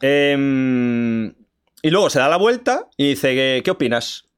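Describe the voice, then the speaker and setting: A man's voice: medium pitch, takes it slowly, clear, resonant tone. A young man from Spain, a podcast guest, telling stories in casual conversation and acting out quoted dialogue with laughs. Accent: Spain Spanish. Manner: animated storyteller, acts out quoted dialogue with laughs.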